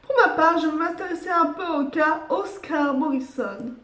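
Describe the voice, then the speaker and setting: A man's voice: very high voice, normal speed, bright, forceful tone, echoey room. A woman voicing a courteous man who works at a hotel, speaking politely and formally in a narrated game. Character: courteous male hotel worker, loyal friend.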